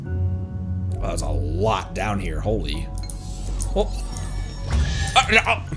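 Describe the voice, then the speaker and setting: A man doing casual live gameplay commentary in an animated, halting way, exclaiming often. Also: low-pitched. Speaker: livestreamer, VTuber. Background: game music.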